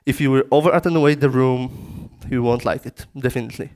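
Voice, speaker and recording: Polish guy lecturing, halting english, lots of restarts, mid pitch, over a pa in a conference room. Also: fairly even intonation, darkish tone. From Poland. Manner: halting non-native phrasing with frequent restarts. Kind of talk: technical lecture. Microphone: through a PA system.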